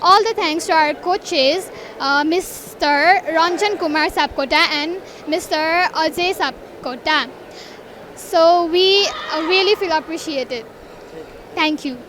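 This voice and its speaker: High-voiced young Nepali woman, halting. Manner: halting, with fillers and restarts. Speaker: karate athlete. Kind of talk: spoken thank-you statement to camera. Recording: faint background noise.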